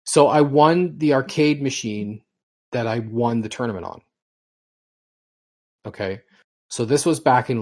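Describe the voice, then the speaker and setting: A man in his forties hosting a casual podcast chat, rambling through long stories at an easygoing clip. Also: fairly low pitch. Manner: rambling storyteller. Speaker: podcast host.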